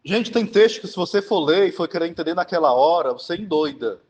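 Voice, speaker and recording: With a slightly high, animated, somewhat mellow voice, this Cearense-accented Catholic preacher from Northeast Brazil moves fairly quickly through an informal teaching sermon. He's talkative and often asks if everyone understands. Long hall reverb fills the recording, whose highs are cut off.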